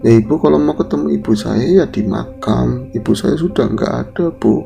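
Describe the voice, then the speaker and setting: A man's voice: medium pitch, normal speed, vocal fry, mellow, soft background music. A man voicing a polite, composed young woman.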